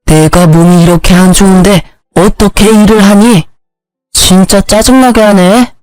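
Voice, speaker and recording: A woman's voice: medium pitch, fairly even intonation, normal speed, a little mellow, no room sound, faint music behind, close to an everyday voice, rough recording. Brief: woman voicing a selfish middle-aged ex-husband, whiny and demanding, dry audio-story read. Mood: whining. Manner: whining, demanding.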